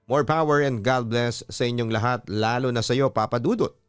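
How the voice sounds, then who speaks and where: Male narrator, Filipino accent, earnest and exhorting, mid-pitched, dry studio sound with faint music underneath. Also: normal speed, clean tone, no echo. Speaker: storytelling show host and narrator. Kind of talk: reading a listener's letter and giving earnest advice. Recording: music playing behind a dry voice. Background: background music.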